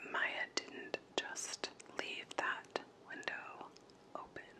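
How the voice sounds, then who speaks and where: Someone is whispering. The pace is very slow. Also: woman. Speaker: ASMR true crime content creator. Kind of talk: true crime ASMR narration, slow clicky whisper. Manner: whispered, slow, relaxing. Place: home room. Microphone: studio mic.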